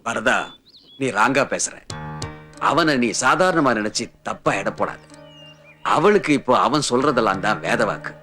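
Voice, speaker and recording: An actor playing a cunning male villain who lays out his plans in a measured, commanding way. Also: mid-range voice, expressive, pushed and bright, faint music behind. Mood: scheming. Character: cunning older male villain, calm schemer.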